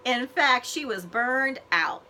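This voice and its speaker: Her pitch sitting fairly high, a woman who works as a librarian gives an expressive, carefully paced reading of a picture book meant for small children.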